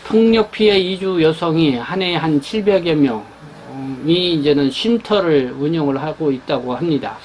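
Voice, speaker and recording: A man presenting his newspaper's pages in an unscripted rundown, talking haltingly with many fillers and restarts. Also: fairly high pitch, darkish tone, slight background noise, rough recording. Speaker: newspaper editor presenting the issue.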